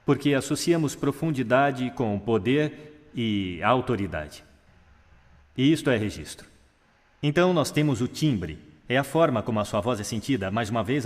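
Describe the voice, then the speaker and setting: Guy giving a talk on voice stuff from a stage, big hall echo, swings his pitch and volume around. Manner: expressive, demonstrates pitch, pace and volume shifts. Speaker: speaker on public speaking.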